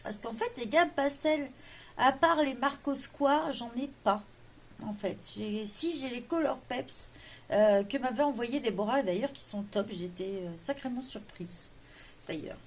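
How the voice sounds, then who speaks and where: A woman's voice: on the high side, measured pace. A woman vlogger chatting casually about her wish list, with many hesitant fillers. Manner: jokes about her English accent. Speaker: coloring vlogger. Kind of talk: casual chat.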